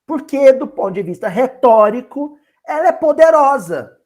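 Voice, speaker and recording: A man with a Minas Gerais Brazilian accent giving an expressive Bible study talk. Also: extremely high pitch. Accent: Minas Gerais Brazilian Portuguese. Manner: animated and expressive, slow and emphatic. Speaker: spiritist Bible study speaker.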